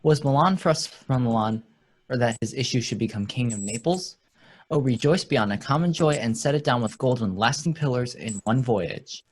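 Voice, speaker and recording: A man with a husky voice playing a pious, wordy royal counsellor in a Shakespeare radio play. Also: mid-range voice, animated, moderate pace. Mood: reverent, joyful.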